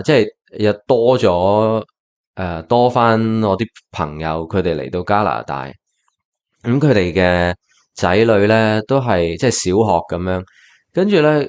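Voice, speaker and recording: Low-voiced man hosting a bilingual podcast. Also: clear, resonant tone. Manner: mixes Cantonese and English, halting with many fillers. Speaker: podcast host. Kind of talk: casual bilingual podcast chat.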